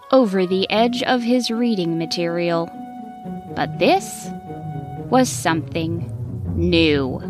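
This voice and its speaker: A woman storyteller narrating a children's bedtime story expressively, in deliberate short phrases with dramatic pauses. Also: mid-range voice. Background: music.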